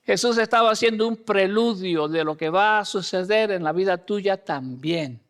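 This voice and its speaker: A pastor delivers a dramatic sermon in a strikingly high, smooth and resonant voice. He swings between loud emphasis and hushed lines and acts out the voices of the people in the scripture. He drops English fillers into his speech now and then. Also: normal speed.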